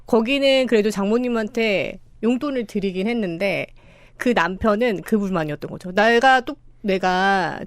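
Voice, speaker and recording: A woman's voice: medium pitch, normal speed, no room sound. A woman on a panel podcast in a studio, giving frank advice about family and marriage. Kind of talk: casual panel podcast chat.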